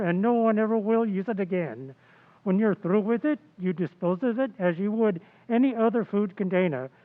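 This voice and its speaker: Man acting a high-pitched vintage radio announcer. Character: polished, upbeat male 1940s radio pitchman. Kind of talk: 1940s radio commercial announcing. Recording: thin, phone-like radio sound, faint music.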